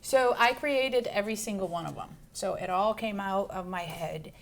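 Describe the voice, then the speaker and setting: A shop owner from Brazil, a woman in her forties, talks through her answers casually. She fills pauses with ums and restarts her sentences, at an ordinary pitch. A faint hiss sits under the recording. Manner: chatty, lists things with many ums and restarts. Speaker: juice bar owner.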